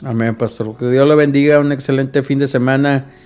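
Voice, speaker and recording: A man's voice: medium pitch, steady tone, fairly quick, a little mellow, smooth. A man hosting a Christian radio talk show, earnest, often repeating words as he searches for them.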